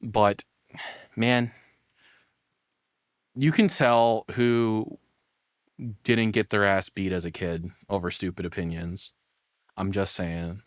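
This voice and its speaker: A man giving casual, off-the-cuff reaction commentary, sarcastic and quick to swear. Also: on the low side, steady tone, no echo, clean studio sound. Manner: sarcastic, profane. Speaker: reaction streamer.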